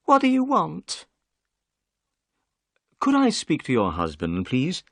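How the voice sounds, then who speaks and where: A distraught middle-aged wife, as a male reader puts her on, her voice pitched high and shaky as she pleads and frets. The sound is dry and close, with no room around it. She swings widely in pitch as worry takes over. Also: wildly swooping pitch, slow, gravelly, no echo, heavily acted. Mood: anxious. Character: upset middle-aged boatman's wife, tearful.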